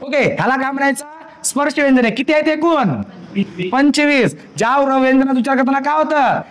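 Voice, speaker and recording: High-voiced man teaching a grammar lesson. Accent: Marathi. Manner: drills by asking questions and answering them himself; spells out sounds slowly one by one.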